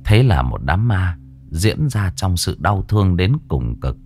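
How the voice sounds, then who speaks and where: A man narrating a ghost story in a lively, expressive way. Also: sits low, unhurried, faint music behind.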